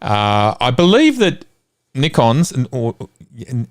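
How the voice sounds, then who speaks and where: A man hosting a casual live stream, relaxed, reading out viewer questions. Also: medium pitch, slow, dry recording, clean studio sound. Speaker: host.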